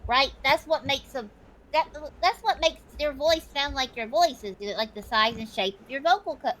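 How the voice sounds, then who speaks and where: A woman's voice: normal speed, a bit bright, slight background noise, low-quality recording. A woman streamer chatting casually, talkative and swearing freely. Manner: high-pitched, calls own voice annoying. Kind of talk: casual chat.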